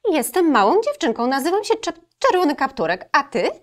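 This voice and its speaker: A woman voicing a small, eager and adventurous girl in a children's storybook reading, with high, excited exclamations. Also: a little fast.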